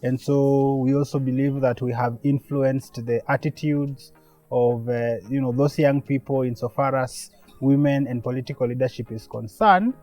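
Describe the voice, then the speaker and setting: A man speaking in a measured, deliberate way in a documentary interview. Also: mid-range voice, fairly even intonation, darkish tone. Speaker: project representative. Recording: dull lo-fi sound, music bed. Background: background music.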